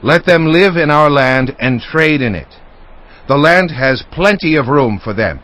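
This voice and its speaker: A man's voice: fairly high pitch, animated, measured pace, fairly bright tone. A man playing a dignified, middle-aged tribal ruler in a dramatized Bible, speaking with stately, persuasive oratory. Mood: rousing persuasion. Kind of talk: dramatized audio Bible acting.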